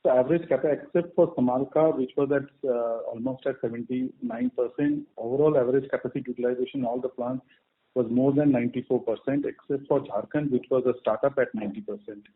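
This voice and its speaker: A man's voice: mid-range voice, animated, fairly quick. A man reporting figures as a company executive on an earnings call. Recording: muffled narrow phone line.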